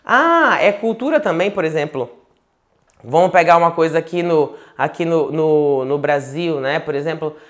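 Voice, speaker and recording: A man's voice: a little high, lively intonation, moderate pace, a bit bright. A man from Manaus with a Manaus Portuguese accent gives a casual, chatty online lecture as a tarot teacher. He talks at home, digresses often, restarts his sentences and keeps checking in with tag questions. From Manaus, Brazil. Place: home, indoors.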